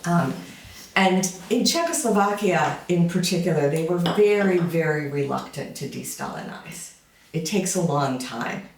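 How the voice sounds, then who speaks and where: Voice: medium pitch, lively intonation, unhurried. A lecturer in their fifties giving an informal summer school talk, conversational and full of fillers, with wry asides. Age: 50s. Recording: roomy sound from a distant mic.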